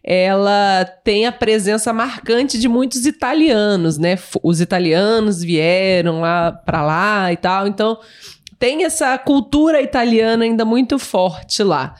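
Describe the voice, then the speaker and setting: A woman's voice: mid-range voice, measured pace. Giggly Brazilian woman chatting. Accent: Brazilian Portuguese. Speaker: podcast co-host, schoolteacher. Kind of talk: informal casual chat.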